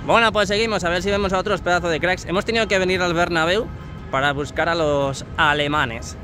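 A man's voice: high voice, fairly even intonation, fairly quick, music in the background. A man from Spain giving jokey, chatty commentary as he walks outdoors, filming on his phone. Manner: jokey, chatty, broken English with foreigners. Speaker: vlogger. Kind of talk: casual walking commentary. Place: outdoors on a city street. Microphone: phone held by the speaker. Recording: traffic noise outdoors.

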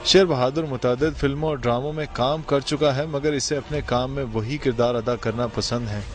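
A man's voice: medium pitch, steady tone, a little fast, soft background music. A male reporter reading a formal news voice-over in polished Urdu.

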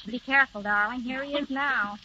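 A chirpy scatterbrained young wife on an old radio show. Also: female voice, high-pitched, fairly quick, bright, forceful tone, a little hiss or hum. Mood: eager. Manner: chattering, eager to please. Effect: old radio broadcast. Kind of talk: 1930s radio drama acting. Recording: muffled lo-fi 1930s radio broadcast.

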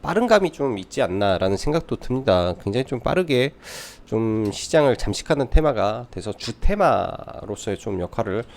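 A man's voice: lowish voice, sing-song, normal speed, creaky, few pauses, a little mellow. A man giving live stock market commentary as a trading adviser, explaining things by posing questions and answering them.

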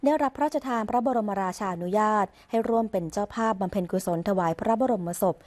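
Woman reading formal royal court news. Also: mid-range voice. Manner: measured, formal and even. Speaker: news reader.

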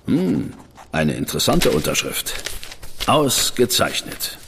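An actor playing a cool, arrogant government official who speaks in a measured, superior, quietly threatening way. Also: male voice, extremely low pitch, wildly swooping pitch, big-room sound, background noise, full character voice. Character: cool, arrogant high official, man, middle-aged. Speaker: government official recruiting an investigator. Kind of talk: radio play acting.

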